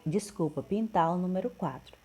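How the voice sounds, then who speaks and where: A woman's voice: fairly low pitch, moderate pace, a little mellow. A woman teacher, going through workbook answers patiently and repeating each one. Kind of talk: correcting workbook exercises.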